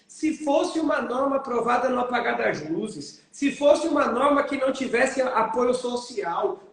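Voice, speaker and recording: A male lawyer explains the law in a measured, teacherly way and answers his own rhetorical questions. His voice rings out in a very echoey room. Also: extremely high pitch. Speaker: lawyer, guest.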